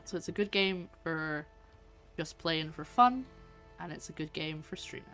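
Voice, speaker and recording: Low-voiced woman chatting over a game. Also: moderate pace, a bit bright, faint music behind. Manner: chatty, playful asides to game and viewers. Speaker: game streamer. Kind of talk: casual gameplay commentary.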